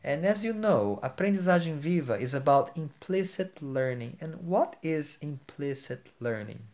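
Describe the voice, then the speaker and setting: A man's voice: on the high side, lively intonation, moderate pace, a little mellow. Male, 30s, Portuguese accent, earnest teacher speaking close into a phone camera. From Portugal or Brazil. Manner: earnest, explains with everyday examples, checks in with "right?". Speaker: English teacher. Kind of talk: explanatory video lesson. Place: indoor room with plain wall. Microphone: phone camera held close.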